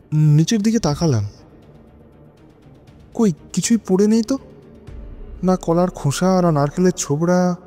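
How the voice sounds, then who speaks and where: An actor playing an anxious, hesitant widower in an audio drama, speaking dramatically in halting short phrases. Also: male voice, high voice, mellow. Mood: uneasy, startled. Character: anxious, hesitant widowed lover narrating his own unease. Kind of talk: Bengali audio drama narration and dialogue. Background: dramatic music.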